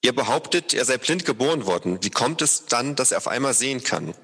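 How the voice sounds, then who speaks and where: A man's voice: mid-range voice, animated, brisk, pushed and bright, breathy edge, heavily acted. Brief: scornful religious elders, man reading, raised voice, long reverb. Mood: indignant. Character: group of indignant religious leaders.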